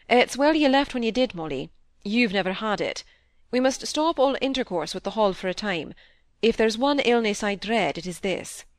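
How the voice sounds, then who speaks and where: A woman doing a calm, kindly country doctor. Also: medium pitch, no echo, natural voice. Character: kindly dutiful country doctor, middle-aged man.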